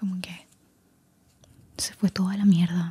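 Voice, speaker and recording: Whispering and somewhat breathy, a woman speaks with a dry sound that has no echo. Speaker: ASMR creator. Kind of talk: ASMR video. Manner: whispered. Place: home room. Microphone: studio mic.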